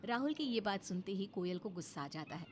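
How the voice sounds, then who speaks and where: Woman telling a cartoon kahani, expressive, voice goes up and down a lot. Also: medium pitch, brisk, a little hiss or hum. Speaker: narrator. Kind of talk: scripted storytelling narration.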